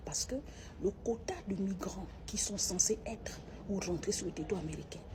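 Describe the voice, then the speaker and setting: A soft-spoken woman talks at a moderate pace. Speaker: immigration coach. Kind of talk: casual vlog advice talk. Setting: at a school.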